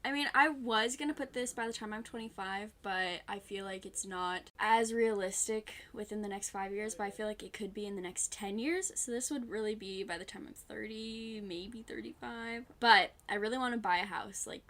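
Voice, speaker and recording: Young woman, podcast co-host, casual chat, giggly, filler-heavy, mid pitch. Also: moderate pace, hardly any pauses, a bit bright. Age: young adult. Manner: chatty, giggly, lots of "like".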